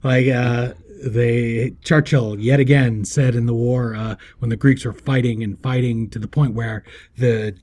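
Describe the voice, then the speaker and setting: A man co-hosts a relaxed chat and tells stories with animation, acting out the lines he quotes. His voice is husky and mellow. He sounds warm and rounded rather than bright. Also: medium pitch, measured pace. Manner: animated storyteller who acts out quotes. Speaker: podcast co-host. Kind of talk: casual chat.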